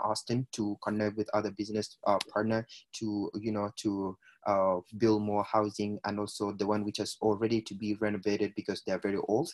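At a moderate pace, a man speaks with a fairly low pitch and monotone, flat intonation, the sound dry and close with no echo and the background quiet. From Ethiopia, raised in a refugee camp in Kenya. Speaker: refugee and community advocate. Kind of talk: casual interview conversation. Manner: halting, many fillers.

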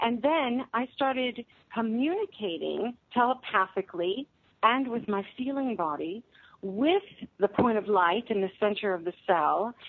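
A woman's unremarkable speaking voice, fairly high in pitch with lively intonation, at a fairly slow pace. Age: 40s. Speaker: spiritual healer and author. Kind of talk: interview.

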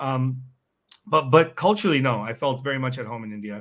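A medium-pitched male voice with lively intonation. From US, born in Chennai. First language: Tamil. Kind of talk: casual conversation.

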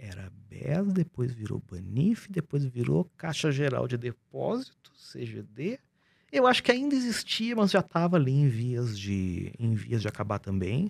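In a very clean recording with a silent background, a man speaks at a fairly slow pace with a Rio Grande do Sul accent. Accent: gaúcho. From Rio Grande do Sul, Brazil (Porto Alegre). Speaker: financial securities analyst. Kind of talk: podcast interview.

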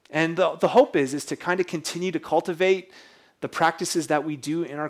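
A very clean recording with a silent background, carrying an ordinary speaking voice at a moderate pace and with ordinary pitch variation. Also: man. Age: 30s. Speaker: pastor. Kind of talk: sermon.

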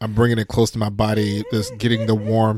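A man speaks with a Southern US accent at a fairly low pitch. The recording is very clean, with a silent background. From US South, the Carolinas. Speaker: comedian. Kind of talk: casual chat. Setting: at home.

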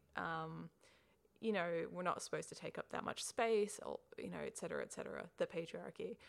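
The speaker is a woman with an Australian accent. She talks at a moderate pace. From Western Australia. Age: 30s. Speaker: podcast host. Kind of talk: casual interview chat.

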